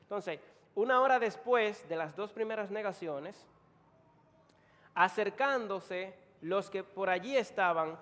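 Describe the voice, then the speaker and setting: A man with a Dominican accent preaching an emphatic sermon in a church, moving between quiet and loud. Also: high voice, animated, slow, in a large hall. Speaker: pastor.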